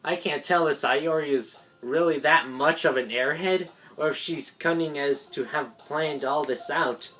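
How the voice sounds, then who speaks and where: A woman's voice: sits low, a little slow, hardly any pauses, fairly bright tone. A woman reading a visual novel script aloud as narrator, with game music behind her.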